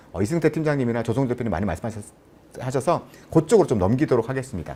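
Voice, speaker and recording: This man talks at a very fast pace in a medium pitch, his dark, mellow tone marked by vocal fry and very wide pitch swings. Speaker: HR research institute head presenting a seminar. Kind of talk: live seminar presentation. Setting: live webinar.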